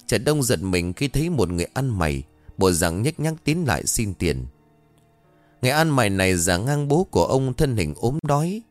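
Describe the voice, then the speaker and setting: A man narrating a scripted horror story in a dramatic, expressive storytelling manner. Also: medium pitch, dry recording. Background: faint music.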